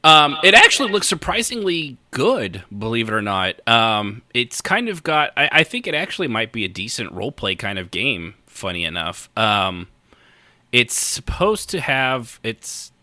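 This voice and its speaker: A man's voice: fairly low pitch, sharp tone, dry recording. An American man hosting a podcast in casual chat, rambling along with wry, joking asides. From United States. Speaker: podcast host.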